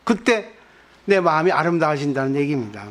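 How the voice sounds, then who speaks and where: A Buddhist monk giving a sermon at a weekend temple service, teaching conversationally and often putting rhetorical questions to the listeners. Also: male voice, on the high side, animated, brisk, slight background noise.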